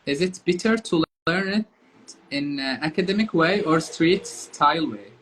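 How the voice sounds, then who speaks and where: A man's voice: on the high side, fairly bright tone, a little hiss or hum, rough recording. Hesitant man moderating an interview. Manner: polite, hesitant, fills pauses with uh. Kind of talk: interviewer asking questions.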